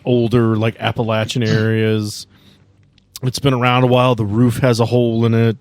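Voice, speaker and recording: A man's voice: mid-range voice, level tone, normal speed, darkish tone, dry recording. A man working as game master, narrating and explaining lore phrase by phrase for a tabletop game.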